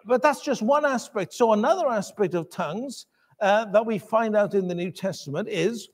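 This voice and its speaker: A man's voice: sits high, darkish tone, in a large hall. A man preaching a sermon in a conversational way, with many restarts and asides to the congregation. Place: church.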